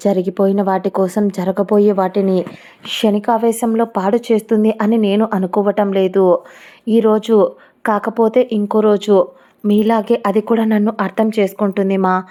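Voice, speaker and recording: A woman voicing a calm young man who talks in a gentle, soothing, teasing way. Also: mid-range voice, natural voice.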